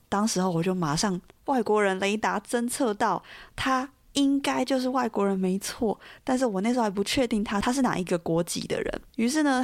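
A young woman from Taiwan with a Taiwanese Mandarin accent, hosting a podcast and telling stories in a chatty, animated way with frequent laughter. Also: fairly low pitch, dry recording, clean studio sound. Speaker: podcast host. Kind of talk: casual storytelling podcast.

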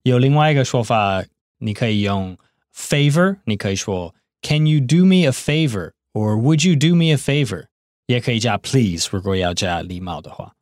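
A man co-hosting a casual language lesson, relaxed and hesitant, often pausing on "uh" as he explains a phrase. He moves freely between English and Mandarin. His mid-pitched voice sits close to a dry studio mic. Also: no room sound. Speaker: co-host and English teacher. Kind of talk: casual teaching chat.

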